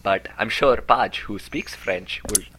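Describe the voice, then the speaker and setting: A man's voice: lowish voice, takes it slowly, sharp tone, a little hiss or hum. A man co-hosting a comedic podcast, speaking with formal, earnest phrasing. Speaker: podcast co-host.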